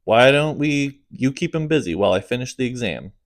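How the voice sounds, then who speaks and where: A calm, practical dad in an audiobook, played by a man who lifts his voice only a little above his own. He speaks in an easygoing, plain way, and the recording is close and dry. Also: mid-range voice, fairly quick, no echo, pitched above the performer's own voice, natural voice. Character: calm practical father, a vet.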